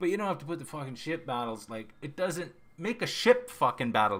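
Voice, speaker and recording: Vocal fry runs through a man's fairly high voice as his pitch swings very widely. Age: 50s. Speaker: video game streamer. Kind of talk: live stream chat. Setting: live stream. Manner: animated.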